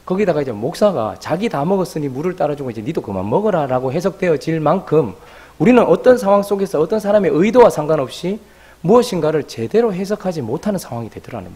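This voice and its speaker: A man's voice: fairly high pitch, husky. A man preaching a sermon as pastor, telling a story and acting out the voices of people in it. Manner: animated, acts out quoted voices.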